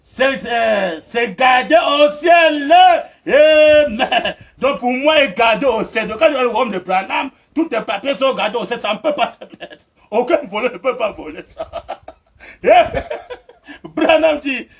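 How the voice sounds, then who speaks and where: A man preaching a sermon, laughing through his words, mocking and shouting amens. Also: very high voice, gravelly, slightly rough.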